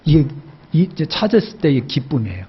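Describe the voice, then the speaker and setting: Male pastor, fairly high and husky voice, emphatic and repetitive sermon delivery, dull lo-fi recording. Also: sing-song, brisk. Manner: emphatic, repetitive preaching that swells in pitch and volume.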